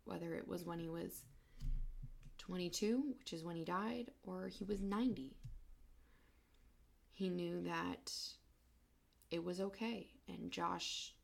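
A young woman hosting a personal podcast, talking in a halting, emotional way and close to tears. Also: fairly low pitch, vocal fry. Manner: emotional, halting, soft-spoken. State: tearful. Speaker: podcast host.

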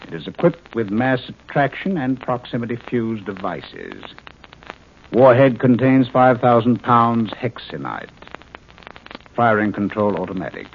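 An actor playing a brisk male research chief in a 1950s radio drama, clipped, official and businesslike. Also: mid-range voice, gravelly, exaggerated voice. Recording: muffled, hissy old radio recording.

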